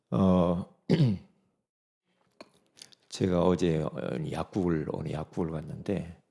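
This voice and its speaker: A man's voice: lowish voice, gravelly, warm tone, husky. A male pastor giving a sermon in an emphatic, conversational way, often asking rhetorical questions.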